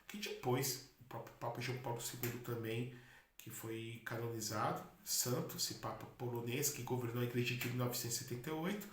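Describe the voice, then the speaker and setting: Catholic priest preaching in an echoey room. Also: male voice, mid-range voice, fairly bright tone. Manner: chatty storytelling with asides. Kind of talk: sermon. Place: in Spain. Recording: echoey room with faint noise.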